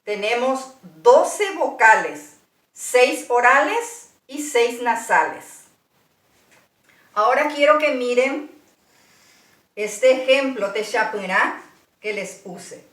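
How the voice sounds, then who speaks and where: Slow, patient woman teaching, echoey room. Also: on the high side, expressive, a bit bright, recorded from a distance. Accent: Paraguayan Spanish. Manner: slow, patient, spells out sounds one by one. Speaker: language teacher. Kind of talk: slow, deliberate language lesson.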